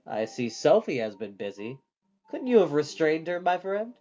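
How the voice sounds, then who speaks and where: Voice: medium pitch, very animated, normal speed, darkish tone, dull audio, faint music behind, natural voice. A storyteller voicing a vain, sardonic young male wizard in a storybook, theatrical and mock-polite. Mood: sardonic, scolding.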